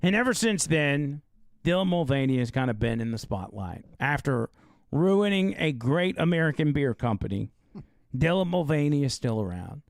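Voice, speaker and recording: A male talk show host with a gravelly, slightly hoarse voice, chatting loosely and reading an ad. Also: a little high, big pitch swings, normal speed, no room sound. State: losing his voice. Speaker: radio and live-stream show host. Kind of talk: casual live talk show with read ad.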